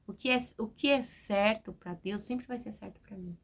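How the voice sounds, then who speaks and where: A forty-something woman preacher speaks from home in a spontaneous, talkative testimony sermon, peppering it with "né?". She has a creaky mid-range voice at a normal speed.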